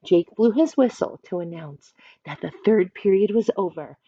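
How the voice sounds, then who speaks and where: A woman's voice: mid-range voice, animated, normal speed, warm tone, slightly rough, highs cut off. A woman teacher reading a picture book aloud expressively, adding instructive asides and questions for listeners.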